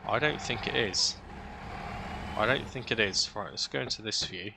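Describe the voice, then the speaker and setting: A man's voice: lowish voice, moderate pace, vocal fry. A British man giving casual gameplay commentary, thinking aloud chattily and often tagging questions onto his own remarks. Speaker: gaming video host. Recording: noisy, vehicle-like engine ambience.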